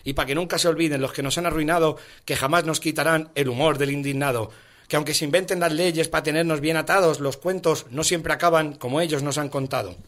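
Man, comic poem recital, rhythmic and emphatic, fairly high, bright voice. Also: fairly even intonation, brisk. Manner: rhythmic, emphatic recitation with colloquial clipped words. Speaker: comedian guest. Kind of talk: rhyming satirical poem recital and radio banter.

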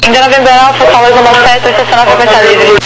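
A man with a very high, flat voice speaks over a two-way radio. He delivers controller instructions in short, clipped, monotone phrases. Heavy static fills the channel behind him. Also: fast. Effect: two-way radio transmission. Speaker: air traffic controller.

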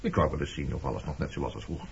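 A man acting in a radio play as an evasive, detached former lover, talking in a dry, offhand, probing and faintly mocking way with a husky, rough-edged voice. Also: rumbling low, racing, heavily acted. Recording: dull lo-fi old radio recording.

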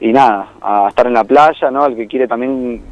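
A man's voice: medium pitch, moderate pace, no echo, lo-fi sound. A young Argentine man talks casually as a radio guest who works as a tour guide. He rambles, uses many fillers and laughs easily. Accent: Argentine Spanish.

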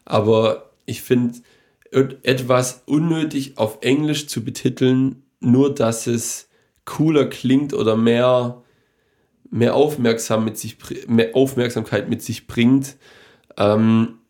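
Young man, podcast co-host, rambling casual chat, mid-pitched voice, opinionated. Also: fairly even intonation, slow pace, darkish tone.

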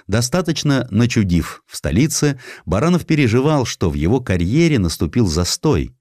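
A man narrating a dramatized audiobook in an expressive, theatrical storytelling manner. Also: mid-range voice, moderate pace, no echo, studio quality.

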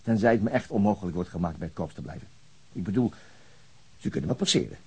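Husky, weary veteran policeman. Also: low voice, expressive, heavily acted. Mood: weary, reflective. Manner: halting, reflective, searching for words. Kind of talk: naturalistic Dutch radio drama acting.

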